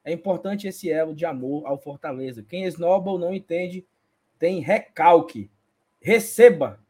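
A husky, high-pitched man hosts a casual live fan show. He reads viewer comments aloud in a playful, chatty way, greeting each one. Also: moderate pace, mellow. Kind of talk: casual live-stream chat.

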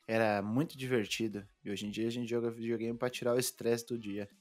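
A man, co-hosting a podcast from home and telling stories in a relaxed way, full of fillers. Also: mid-range voice, brisk. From Brazil. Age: 20s. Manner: relaxed storytelling with many fillers. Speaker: podcast co-host. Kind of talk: casual podcast chat.

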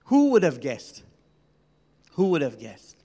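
A sixty-year-old man delivers a sermon as a senior pastor, his voice pitched a little high. He talks conversationally with gentle humor, pausing for emphasis. The sound carries the long reverb of a large hall. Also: huge pitch swings. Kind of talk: sermon to a congregation.

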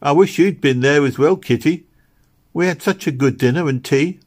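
A man's voice: fairly high pitch, moderate pace, voice pushed up, close to an everyday voice. A man plays an earnest little girl in a storybook tale. The voice is lifted well up, with simple, childlike phrasing, hopeful and caring in every line. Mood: earnest, eager. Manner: simple, childlike, insistent speech.

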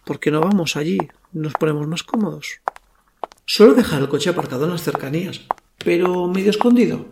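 A man's voice: on the high side, creaky, echoey room, noisy background. A man playing a lustful, cocky werewolf in an audio drama, narrating his night in a crude, self-satisfied way. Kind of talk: audio fiction acting with first-person narration.

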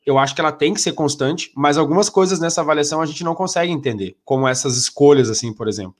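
A man's voice: a little high, fast talker. A man with a nasal, congested voice, talking sports in a casual, meandering way. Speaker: sports commentator.

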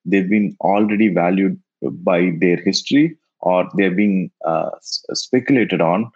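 A man whose first language is Tamil, answering interview questions in a halting way and often repeating words as he thinks. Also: sits low, darkish tone, breathy edge. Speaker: guest, NFT investor. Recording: dull lo-fi sound.

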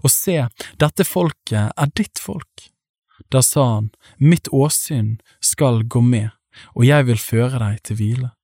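A man doing a scripted Bible reading in a measured, even manner, slowing on solemn phrases. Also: mid-range voice, no room sound, clean studio sound. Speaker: Bible reader.

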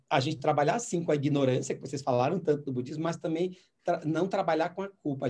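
Fast-talking doctor, mellow voice. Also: male voice, fairly high pitch, husky. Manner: recounts cases and acts out the dialogue. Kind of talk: conversational storytelling.

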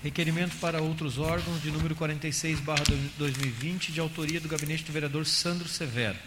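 Brazilian guy reading out council motions, even and formal, big echoey hall, bit of hiss. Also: fairly high pitch. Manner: steady, measured official reading. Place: council chamber. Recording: echoey chamber audio with faint hiss.

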